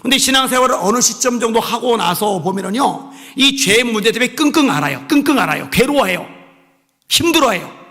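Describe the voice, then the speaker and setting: A man pastor preaching a sermon with impassioned swings between soft pleading and raised exhortation. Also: very high-pitched, lively intonation, fairly quick, long reverb tail.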